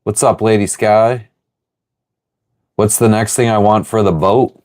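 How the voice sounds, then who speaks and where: A man hosting a casual livestream from his sailboat, reading viewer comments aloud and rambling through relaxed answers. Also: on the low side, measured pace. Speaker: livestream host answering chat. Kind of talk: casual live chat. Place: on board a sailboat.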